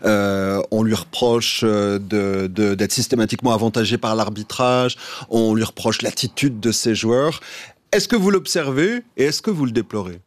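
A man's voice: lowish voice, normal speed, dry recording. A man hosting a radio debate, asking probing questions with frequent restarts. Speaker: radio show host.

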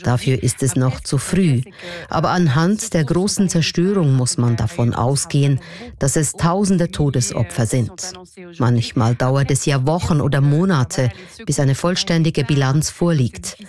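A woman's voice: a bass voice, unhurried, dark tone. A woman reading a translated voice-over for radio news.

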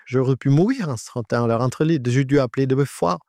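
A man in his nineties gives a halting personal testimony in a radio interview. His voice is disguised by an AI voice changer. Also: medium pitch, darkish tone, no echo, clean studio sound. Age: 90s. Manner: halting, with many restarts and repetitions. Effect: voice altered by an AI voice changer.

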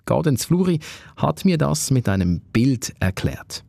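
A man's voice: mid-range voice, sing-song, measured pace, gravelly, mellow, no room sound. A man narrating a news podcast from a conversational script.

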